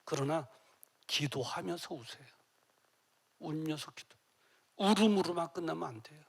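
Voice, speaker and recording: A middle-aged man preaching a sermon as pastor, emotional, dropping to near-whispers and rising to loud cries as he acts out tearful prayers. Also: fairly high pitch, moderate pace, vocal fry, slightly rough. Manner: emotional, swings from soft to loud.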